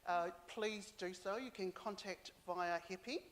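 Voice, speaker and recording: New woman speaking in a big hall. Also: mid-range voice. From New Zealand and Samoa. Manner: halting, with many fillers, mixing in Māori. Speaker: archive board member. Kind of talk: speaking at a community consultation.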